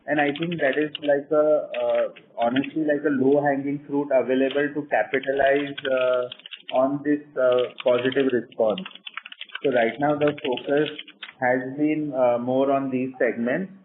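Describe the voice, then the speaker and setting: A man with an Indian accent, a company executive answering questions on an earnings call in a measured, explanatory way peppered with "you know". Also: mid-range voice, steady tone, background noise. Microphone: phone conference call. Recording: tinny, narrow-band conference phone line.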